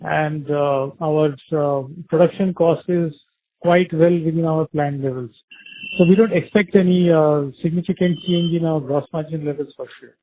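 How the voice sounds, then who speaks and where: A man answering as a company finance executive on an earnings call, in measured, hesitant phrases over a conference phone line. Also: a little high, fairly even intonation, no room sound.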